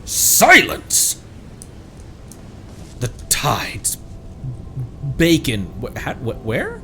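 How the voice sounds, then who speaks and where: Playing a video game with its music in the background, a streamer gives casual, playful live commentary, muttering to himself and exclaiming. His medium-pitched voice swoops wildly, stretches words out, and sounds pushed and bright, with a little hiss or hum on the audio.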